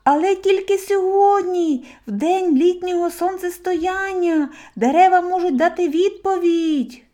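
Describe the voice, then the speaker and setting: An eager little hedgehog boy with a high, bright-edged voice and loud exclamations, as a woman reading a storybook plays him. He is quick to take offense and restless. The tone stays warm and mellow underneath. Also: lightly acted. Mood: excited. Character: eager excitable young male hedgehog.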